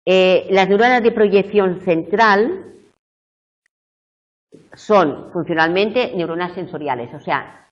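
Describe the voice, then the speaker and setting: A middle-aged woman gives a live video tutorial lecture at university, walking through the material step by step and frequently checking in with her students. Her voice is fairly low, her pace slow, with long pauses. The classroom recording is muffled and lo-fi.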